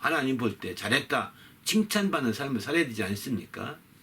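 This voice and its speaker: A man's voice with very wide pitch swings, set against noticeable background noise. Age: 60s. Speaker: pastor. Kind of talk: sermon. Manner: halting.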